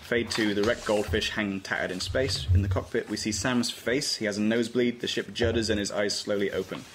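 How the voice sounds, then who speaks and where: A man's voice: on the low side, fairly even intonation, brisk, a bit bright. A man narrating scripted stage directions aloud at an informal table read. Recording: noisy amateur room recording, clicks.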